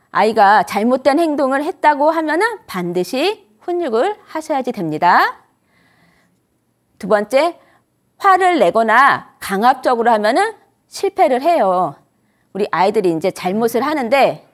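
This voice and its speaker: A middle-aged woman giving an earnest parenting lecture to grandparents, asking the audience questions and answering them herself. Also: on the high side.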